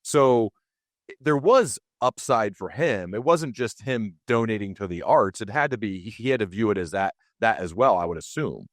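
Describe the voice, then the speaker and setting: A man hosts in an easy conversational style. His voice is on the low side, with enthusiastic emphasis on his points. The recording is dry and free of room sound. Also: lively intonation, normal speed, no room sound. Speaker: podcast host, interviewer. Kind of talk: casual conversational interviewing.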